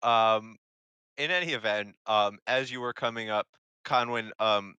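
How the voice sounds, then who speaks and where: A man narrating a tabletop game as game master in a halting, descriptive way. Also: on the low side, bright, forceful tone, smooth, no room sound, dull audio.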